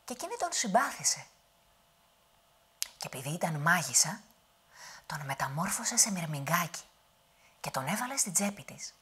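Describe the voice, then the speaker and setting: A woman's voice: fairly low pitch, sing-song, pauses often, bright, forceful tone, husky. A woman telling a folk tale aloud in a dramatic storytelling style, sometimes dropping to a whisper. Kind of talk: oral storytelling performance.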